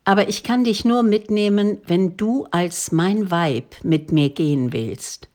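A calm, kindly spiritual leader, read by a woman in a storybook. He speaks gently, in a low voice and an unhurried rhythm. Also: lightly acted. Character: calm, kind spiritual leader, grown man.

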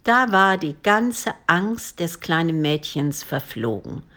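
A woman reading a children's story aloud in a calm, clear storytelling manner. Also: fairly low pitch, takes it slowly.

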